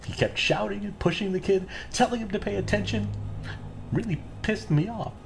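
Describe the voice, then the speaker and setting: A man's voice: high-pitched, normal speed, creaky, background noise. A man playing a chatty, volatile serial killer in an audio drama, rambling with casual menace and demanding answers. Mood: casual, threatening.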